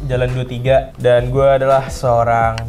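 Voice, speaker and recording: A man chats casually and asks questions. He is relaxed and likes to tease. Faint music plays behind him. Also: mid-range voice, moderate pace. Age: 20s. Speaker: office worker, interviewer. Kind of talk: casual chat.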